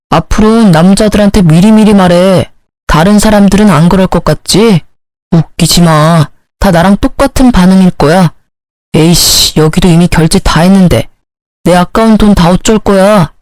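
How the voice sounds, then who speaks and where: Brief: woman playing an arrogant young man in a storybook reading, sneering and rude, mid-pitched, dry sound. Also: darkish tone, dry recording, close to an everyday voice. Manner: sneering, insulting.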